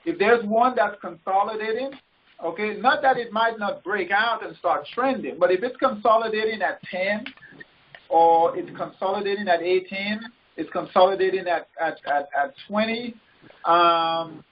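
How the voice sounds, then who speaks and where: A man leading a group call as a coach, informally explaining things in halting, repeated phrases and often checking in. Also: high voice. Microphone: conference call line. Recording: muffled, noisy conference call audio with clicks.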